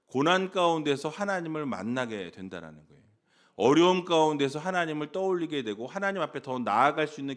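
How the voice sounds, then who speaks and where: A male pastor preaching with a fairly high, very animated voice that climbs and falls through rhetorical questions. He teases a drowsy congregation and lets out sudden loud shouts for emphasis. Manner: jokes with a sleepy congregation. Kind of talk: sermon.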